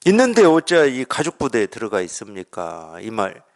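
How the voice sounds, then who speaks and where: A Zen teacher from Korea gives a conversational Buddhist dharma talk, asking rhetorical questions and acting out the dialogue. His voice is lowish, with huge pitch swings, at normal speed.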